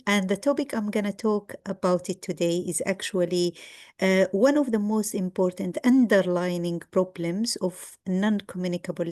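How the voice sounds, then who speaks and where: A middle-aged woman from Egypt gives a guest lecture over a video call. She talks at a measured pace, pausing on ums and restarting sentences as she goes. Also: fairly low pitch, darkish tone. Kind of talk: online lecture.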